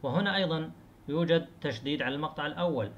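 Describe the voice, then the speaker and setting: A man teaching an English lesson to students, explaining in Arabic and reading English examples slowly, repeating words to show stress. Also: a little high, dull audio, a little hiss or hum.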